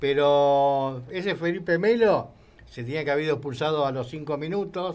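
A man speaks in a Rioplatense accent at a fairly high pitch. His pace is fairly slow. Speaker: football commentator. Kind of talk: casual radio talk.

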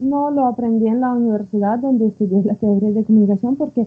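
A woman with a Russian accent speaks in a fairly high voice with ordinary pitch variation. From Russia (Tolyatti). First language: Russian (speaking Spanish). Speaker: journalist. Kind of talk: interview.

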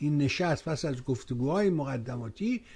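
This is a man speaking. His pace is fairly slow. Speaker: TV talk show host. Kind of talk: political commentary monologue. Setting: TV studio. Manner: animated.

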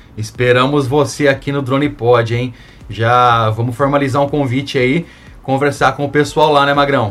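A man with a plain, everyday voice, medium in pitch, at a moderate pace with fairly even intonation. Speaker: podcast host. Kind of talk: casual chat.

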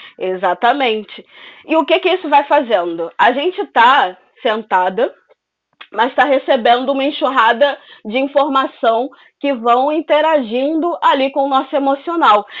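A woman with a strong Rio de Janeiro accent speaks fairly slowly in a high voice with lively intonation. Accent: strong Rio de Janeiro (carioca). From Rio de Janeiro, Brazil (raised there, Angolan family). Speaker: pelvic movement and dance teacher. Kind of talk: casual chat.

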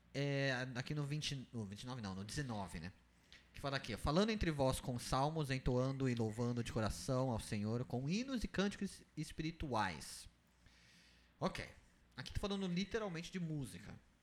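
The man speaks at medium pitch and a moderate pace. His pitch swings very widely. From São Paulo state, Brazil. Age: 20s. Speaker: church youth group podcast host. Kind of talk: casual chat.

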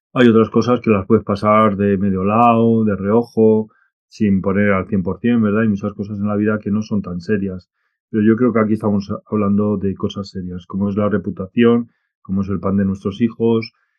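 An ordinary speaking voice from a man, fairly low in pitch, with fairly even intonation at a moderate pace. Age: 50s. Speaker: author and speaker on fear. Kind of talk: interview conversation. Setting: video call.

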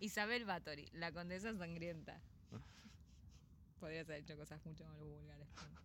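A woman speaks with long, frequent pauses and big swings in loudness. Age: 20s. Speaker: lawyer and podcast co-host. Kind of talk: scripted narration; casual chat. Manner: fast.

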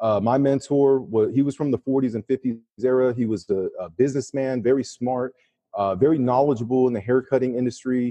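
With an American accent, a man talks at a fairly quick pace in a medium pitch, his intonation fairly even. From US West Coast, Vallejo, California. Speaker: barber school owner. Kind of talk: casual interview.

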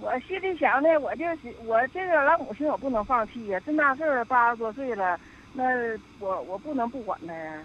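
A woman speaks with a high voice. Her pitch swings very widely. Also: fairly quick pace. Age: 50s. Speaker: radio call-in listener. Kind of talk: phone-in advice call. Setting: phone call. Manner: halting, many repetitions.

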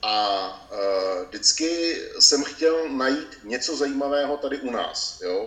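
Through noticeable background noise, a man speaks at a very slow pace, his fairly high voice carrying lively intonation. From Czechia, Česká Lípa. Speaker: amateur military historian. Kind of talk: interview. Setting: remote recording.

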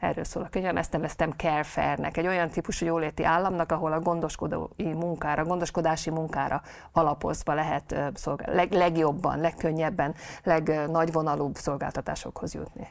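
A woman's very deep, low voice, monotone and flat, at a fairly quick pace. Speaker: sociologist, professor. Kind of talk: interview. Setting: studio. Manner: hesitant with fillers.

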